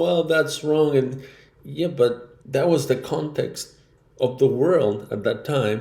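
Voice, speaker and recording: A man at a fairly slow pace with an Argentine accent. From Argentina. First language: Spanish. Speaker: video blogger. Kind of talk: personal reflection monologue. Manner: halting.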